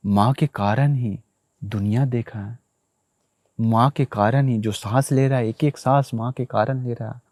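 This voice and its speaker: A monk preaching a sermon to listeners, telling a story, repeating phrases and addressing them directly. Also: male voice, mid-range voice, steady tone, unhurried, a little mellow, dry recording.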